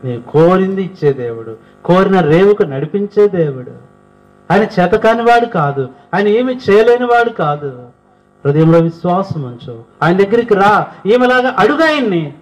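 A man's voice: sits high, animated, moderate pace. A man preaching a sermon fervently, firing rhetorical questions at his listeners and building to emphatic peaks. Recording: dull lo-fi recording.

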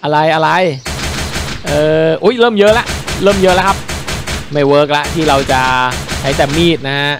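A young man casually commentating his mobile game play, chatty and excitable, with sudden startled shouts. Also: on the high side, normal speed. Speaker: mobile game channel host. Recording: game music behind the voice.

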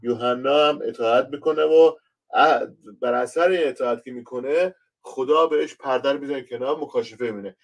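A man from Iran teaches scripture as a pastor in an unhurried online lesson. His voice sits in an ordinary middle range, and he keeps turning to address his listeners as he explains each point. He sounds a little distant from the microphone. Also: medium pitch. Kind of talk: conversational online Bible lesson.

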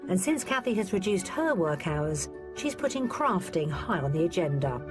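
A woman giving scripted voice-over narration for a property show in a smooth, even way. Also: fairly low pitch, moderate pace, over music.

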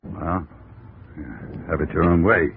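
Smooth crime boss, low and unhurried, sly, old muffled radio drama. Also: male voice, steady tone, full character voice. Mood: cool, dismissive. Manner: sly, chuckling, drawling. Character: smooth, amused gangster boss feigning honorable motives. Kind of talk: 1940s radio detective drama acting. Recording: muffled old radio recording, faint noise.

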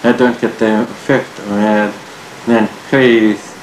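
A middle-aged man taking part in a study, repeating sentences and chatting in a slow, carefully articulated way. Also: on the low side, little pitch movement. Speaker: research participant. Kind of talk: repeating sentences and casual chat. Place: small lab room indoors. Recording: echoey room, faint tape hiss.

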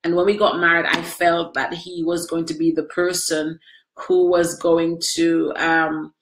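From a small, echoey room at home, a middle-aged woman hosts a casual live video chat, sniffly from crying, emotional and chatty as she names the viewers she answers. Her lower voice is level, unhurried, and a bit bright, captured by a webcam at close range.

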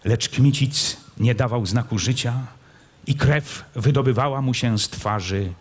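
A male actor giving an expressive live reading of classic prose at an outdoor public event, moving between slow, low passages and loud, urgent ones. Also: husky. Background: live music accompaniment.

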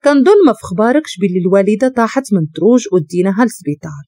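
A woman's voice: medium pitch, animated, rapid-fire, dark tone, no room sound, clean studio sound, lightly acted. Woman voicing an alarmed young Moroccan man. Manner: alarmed questioning. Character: anxious young man, loyal brother figure.

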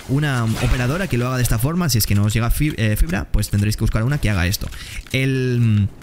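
A man giving excitable, slangy commentary while playing a game. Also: medium pitch. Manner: excitable, slangy, quick exclamations to opponents. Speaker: gaming streamer. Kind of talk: gameplay commentary. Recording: gameplay noise and gunfire behind.

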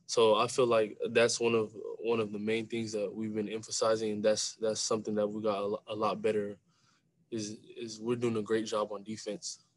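A young man speaks quietly in a low, flat voice, answering press questions after a game. He often repeats a word or two before getting his thought out. The sound comes through a webcam on a video call from a small room. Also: normal speed, dry recording. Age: young adult. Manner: soft-spoken, repeats words when starting phrases. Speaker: college basketball player. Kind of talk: postgame press conference. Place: small room with a sponsor backdrop.

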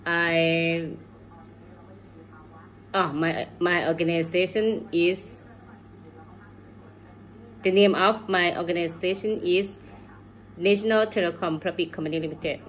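A middle-aged woman with a Thai accent records an informal video message on her phone at home. Her voice is low, and she speaks extremely slowly, hesitating as she hunts for words in learner's English. Clear background noise runs behind her. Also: steady tone, low-quality recording. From Thailand. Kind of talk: unscripted spoken video message. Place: room at home, indoors. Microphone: phone at arm's length.

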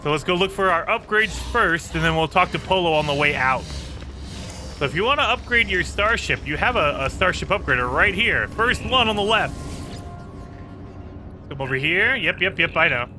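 A man hosting a gaming channel, chatting casually through gameplay, his voice a bit raspy and hoarse today. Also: sits high, lively intonation, normal speed, pushed and bright, faint music behind. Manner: chatty, talks to viewers while playing. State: slightly hoarse.

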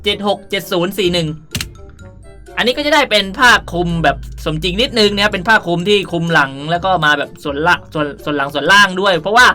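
A woman's voice: fairly low pitch, fast talker, sharp tone, soft background music. A woman hosting a casual game tutorial, chatty and playful while staying polite to viewers. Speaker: gaming video host.

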